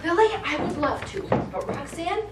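A woman's voice: very high voice, lively intonation, moderate pace. A woman acting on stage as a distraught, jealous ventriloquist, melodramatic and pleading, in a live comedy play. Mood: wounded. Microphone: far camera. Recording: distant, echoey, noisy theatre recording.

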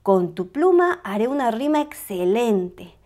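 Woman as an eager, high little mouse. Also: big pitch swings, unhurried, dark tone. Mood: grateful, pleased. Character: small poetic male mouse, eager and grateful.

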